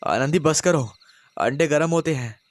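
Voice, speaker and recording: A man's voice: fairly high pitch, moderate pace, no echo, soft background music, natural voice. A man playing an exasperated young husband. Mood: scolding. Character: impatient young husband, short-tempered.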